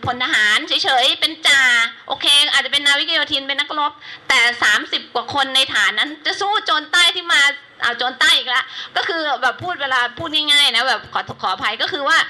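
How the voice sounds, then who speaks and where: A woman's voice: high voice, fairly quick, few pauses, sharp tone, low-quality recording. A middle-aged woman reporter, chatting in an interview and animatedly telling stories, acting out the exchanges she quotes. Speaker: news reporter. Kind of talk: casual interview talk.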